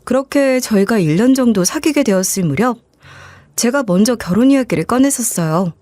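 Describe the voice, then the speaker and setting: A woman narrating a scripted life story in a gentle, even storytelling manner. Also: fairly high pitch, brisk, dry recording, studio quality.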